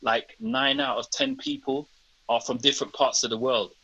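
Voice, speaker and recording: London MC, 50s, easygoing interview chat, bright tone. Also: male voice, medium pitch, normal speed, vocal fry, breathy edge, muffled recording. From England. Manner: relaxed, says "man" often. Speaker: guest rapper. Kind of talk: casual interview talk.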